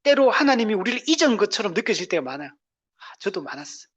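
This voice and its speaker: Pastor with a soft, dull recorded sermon voice. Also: medium pitch, very animated, fast talker, husky. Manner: conversational, often asking the congregation "right?"; laughs lightly between phrases.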